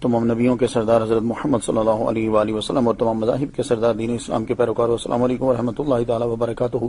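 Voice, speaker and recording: A man who is an Islamic scholar, calling into a radio show over a phone line and giving a measured religious lecture. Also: mid-range voice, level tone, dark tone, a little hiss or hum. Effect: heard over a phone line into a radio show.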